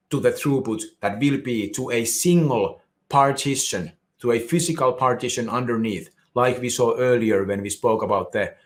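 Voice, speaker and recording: A man from Finland with a Finnish accent, giving a technical conference presentation in an explanatory way with frequent restarts. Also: medium pitch. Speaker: conference speaker.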